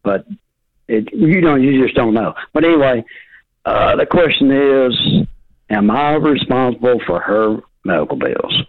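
A middle-aged man calling in from an old flip phone, his voice thin and tinny down the phone line. He talks in a folksy, halting way, hesitating often. His pitch swings up and down a lot as he speaks. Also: very animated. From Bowling Green, Kentucky. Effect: old flip phone call line. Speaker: caller. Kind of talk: casual call-in chat.

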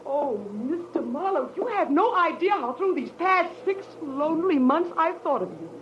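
A vengeful, half-crazed widow in an old radio thriller. Her high voice swoops widely with theatrical scorn and menace. The recording is muffled. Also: animated, moderate pace, slight background noise. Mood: scornful, bitter. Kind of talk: 1940s radio crime drama acting.

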